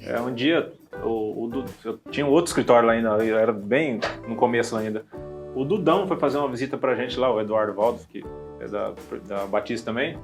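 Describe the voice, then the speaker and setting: A Brazilian man hosting a podcast, telling a story in a quick, chatty way. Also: medium pitch, faint music behind. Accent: Brazilian Portuguese. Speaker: podcast host. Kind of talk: casual podcast chat.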